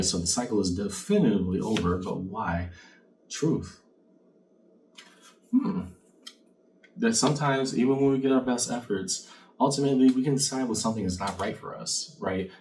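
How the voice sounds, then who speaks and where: A man's voice: lowish voice, a little mellow. A man giving a conversational fortune-teller card reading, reflective and speaking straight to the listener with rhetorical questions. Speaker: tarot card reader, channel host. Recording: distant mic, faint background noise.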